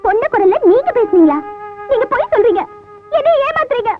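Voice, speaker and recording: A young village sweetheart, very high voice, pleading and emotional, on tinny film sound. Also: female voice, moderate pace, over loud music. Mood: suspicious. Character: young village woman, poor, devoted and jealous lover. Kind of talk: Tamil film melodrama acting.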